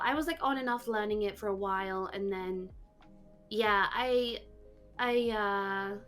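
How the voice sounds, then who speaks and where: Guest spot: fairly high woman's voice, rambling and halting, soft music underneath. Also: clean tone. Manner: rambling, halting, many fillers. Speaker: VTuber guest. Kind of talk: casual interview chat.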